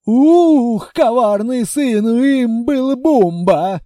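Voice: medium pitch, animated, measured pace, mellow, no echo, studio quality, pitched above the performer's own voice, lightly acted. An audiobook reader voicing a naive, proud tribal warrior who talks in broken grammar and refers to himself in the third person. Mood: angry.

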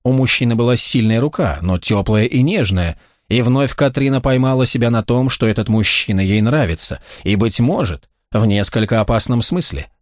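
A man narrating a novel in steady, even storytelling. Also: mid-range voice, moderate pace, few pauses, no echo, studio quality. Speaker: audiobook narrator.

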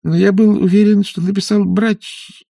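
A man voicing a shy, flustered young king who stammers and rushes his words. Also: high voice, level tone, gravelly, dark tone, no echo, studio quality, voice pushed up.

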